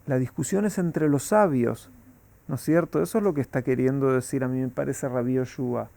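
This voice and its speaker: A man's voice: mid-range voice, brisk, creaky, mellow, no room sound. A man, a rabbi, teaching a Talmud class and asking his students rhetorical questions.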